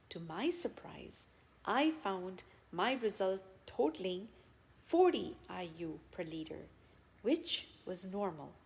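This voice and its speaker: A woman reads a written account aloud at a very slow pace. She moves through it phrase by phrase in a measured way, pausing often, in a mid-range voice. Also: medium pitch. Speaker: reader of devotional testimonials.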